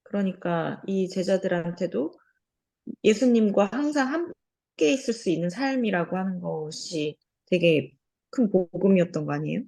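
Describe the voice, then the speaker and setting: Mellow-voiced woman reading Bible verses. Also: on the low side, lively intonation, moderate pace, creaky. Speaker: discussion participant. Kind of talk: church lesson discussion.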